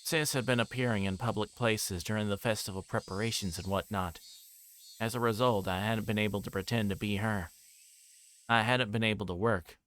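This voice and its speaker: A low-pitched man reads a visual novel aloud for a livestream. He moves between reciting text and rambling casual commentary, thinking out loud. There is noise behind him, with chirping insect ambience. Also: steady tone, moderate pace.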